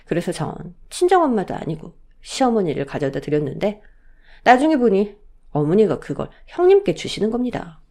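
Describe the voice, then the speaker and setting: A woman's voice: mid-range voice, big pitch swings, moderate pace, warm tone. A woman narrating a first-person family story in an aggrieved, confiding way.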